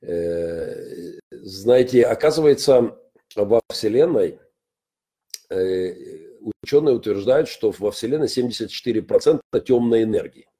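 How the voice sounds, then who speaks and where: Brief: middle-aged male pastor, husky and dark-toned, solo opinion talk with many "uh" pauses. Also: on the low side, expressive. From Ukraine. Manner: frequent "э" hesitations, emphatic rises. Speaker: pastor and commentator.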